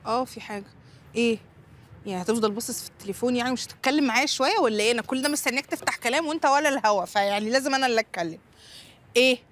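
A woman's voice: a little high, rapid-fire, slight background noise, natural voice. An actress playing an impatient, sarcastic woman confronting her partner, with an Egyptian Arabic accent. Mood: exasperated. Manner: sharp, sarcastic, insistent.

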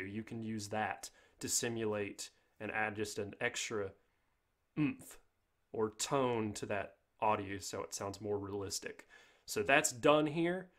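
A man narrating a software tutorial in an informal, step-by-step way. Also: fairly low pitch. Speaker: tutorial host.

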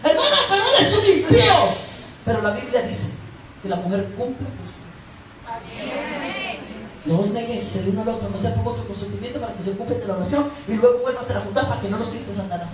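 A woman preacher delivers a lively, humorous sermon, dropping to hushed asides and then shouting praise. She is recorded from a distance in an echoing church hall. A congregation laughs and murmurs behind her, over a steady background noise. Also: medium pitch, fast, a crowd in the background. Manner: emphatic, humorous, swings between hushed and shouted. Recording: echoey hall, distant mic.

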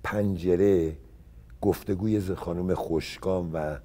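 A man in his seventies from Iran, a guest actor recalling old stories in a casual interview and acting out what others said. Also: low voice. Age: 70s. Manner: animated storyteller who acts out others' words.

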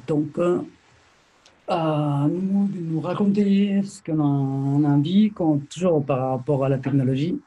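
A man with an Argentine accent hosting a casual online group chat, talking in a relaxed, hesitant way with many fillers. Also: on the high side. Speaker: session host.

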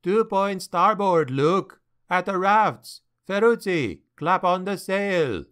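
A man voicing an excitable male sea captain with a French accent and broken, emphatic English. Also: a little high, slow pace. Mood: commanding.

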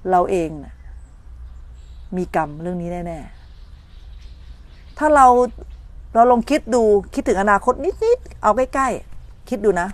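A woman's voice: mid-range voice, expressive, slow pace, pauses often, dry recording. A middle-aged woman meditation teacher giving a morning dharma talk, telling stories and checking that her listeners follow. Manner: storytelling, acts out complaining voices, checks listeners understand.

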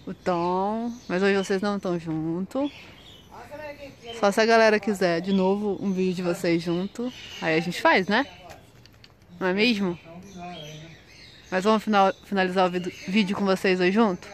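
A woman's voice: mid-range voice, fairly even intonation, normal speed, long pauses. A woman with a Brazilian Portuguese accent talking to her pet birds on camera, cooing and asking them questions in baby talk. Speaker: bird keeper vlogger.

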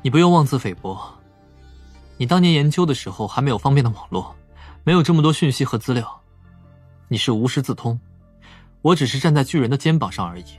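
Audiobook casting: young male investigator, calm reasoning mind, slightly rough mid-range voice, music underneath. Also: medium pitch, a little fast, long pauses, no echo. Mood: analytical. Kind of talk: dramatised audiobook acting.

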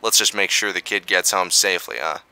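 Man acting bright, crisp steady investigator. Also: sits low, fairly quick, dry recording, heavily acted. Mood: focused, steady. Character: Darren, steady reassuring male investigator. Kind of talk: audio drama acting.

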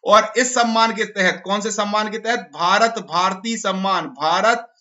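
A hoarse man teaching a live online exam-prep class, quizzing students and repeating each answer. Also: high-pitched, measured pace, bright, forceful tone. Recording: dull lo-fi stream audio.

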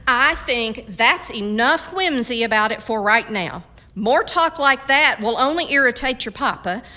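An actress playing a firm, practical frontier mother in a radio drama, with a brisk, folksy, scolding manner. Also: a little high, expressive, bright, forceful tone. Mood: brisk, motherly.

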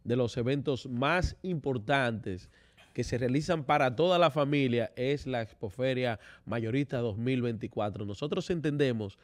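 A man's voice: mid-range voice, normal speed. A young Dominican man hosting from a TV studio desk mic, making an earnest appeal to viewers. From San Francisco de Macorís. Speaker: studio host.

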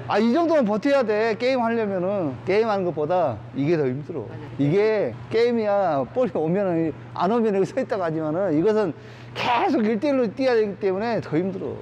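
A man's voice: high-pitched, darkish tone. Male sports coach, informal explaining, plain-spoken and repetitive, recorded in a gym with faint noise. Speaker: badminton coach. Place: large indoor badminton gym.

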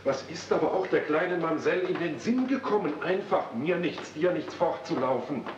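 An actor playing a dignified, good-natured manservant in a 1970s radio play, speaking formally with slight bemusement. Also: male voice, on the high side, expressive, moderate pace, close to an everyday voice. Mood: urgent, hushed. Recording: dull, faintly noisy old cassette recording.

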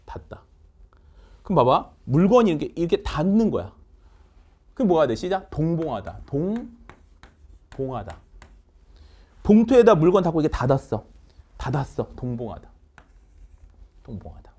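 A middle-aged man teaching English vocabulary in an online lecture, energetic and coaxing, firing quick questions at students. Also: a little high, breathy edge.

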